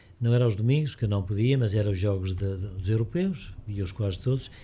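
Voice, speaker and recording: Amid audible room echo, a man speaks at a fairly quick pace with lively intonation. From northern Portugal, Paredes. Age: 70s. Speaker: priest and club president. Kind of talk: radio interview.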